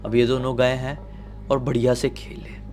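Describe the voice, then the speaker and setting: A man's voice: medium pitch, level tone, moderate pace, a little mellow, faint music behind. A man telling a horror story in a conversational, dramatic way.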